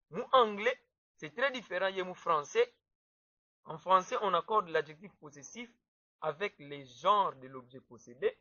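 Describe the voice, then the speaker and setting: Slow, high-voiced male language teacher. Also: pushed and bright, dry recording. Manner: slow, deliberate, repeats words to stress them. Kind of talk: explaining grammar to viewers. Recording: dull, slightly muffled dry sound.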